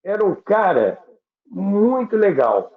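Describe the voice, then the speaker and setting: Brazilian guy hosting, slightly high voice, keeps repeating words hunting for the next one, dull lofi echoey sound. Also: very animated. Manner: halting, repeats words while searching for them. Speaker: host of a radio history show. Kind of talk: reminiscing talk to an audience. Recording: roomy, dull lo-fi online recording.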